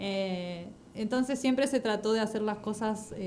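A woman with an Argentine accent speaks at a very slow pace with lively intonation. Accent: Rioplatense Argentine Spanish. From Buenos Aires southern suburbs, Argentina. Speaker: singer-songwriter. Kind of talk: radio interview.

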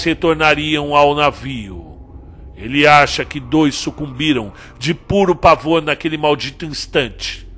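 Over noticeable background noise, a man with a fairly high pitch uses a solemn, dramatic tone, speaking at a very slow pace with fairly even intonation. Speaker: audiobook narrator and literature teacher. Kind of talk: literary horror audiobook reading. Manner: slow, solemn, gravely dramatic narration building dread; formal, measured, ominous first-person storytelling.

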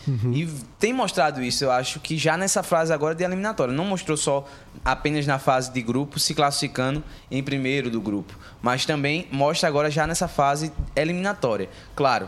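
Fairly quick speech in an unremarkable speaking voice from a man, fairly high-pitched with ordinary pitch variation. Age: 20s. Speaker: football podcast host. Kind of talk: casual sports chat.

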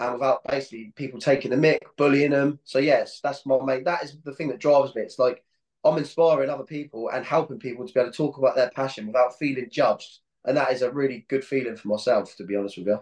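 A man with a British accent talks at a very fast pace. His pitch is fairly high. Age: 30s. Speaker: wrestling fan and social media creator. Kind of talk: casual chat.

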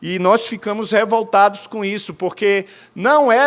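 His pitch sits high for a man. The delivery comes at a fairly slow pace. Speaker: pastor. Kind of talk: sermon.

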